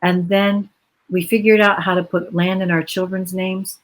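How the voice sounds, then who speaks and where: A woman's voice: on the low side, flat delivery, moderate pace, poor audio. A woman from the United States speaking on a virtual panel over a video call, earnest and reflective, with long flowing explanations.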